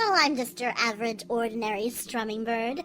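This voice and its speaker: At a moderate pace, someone uses a put-on character voice over clear background noise. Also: female-sounding voice, fairly high pitch for a woman. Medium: audio drama. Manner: playful, teasing, sing-song.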